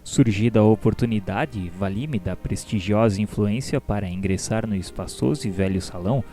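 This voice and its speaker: Guy playing a earnest brazilian man telling his story in a radio drama, formal n measured, lowish mellow voice. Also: lightly acted. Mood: earnest, reverent. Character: André, earnest, curious male spirit narrator and pupil. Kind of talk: scripted radio drama narration. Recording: music behind the voice.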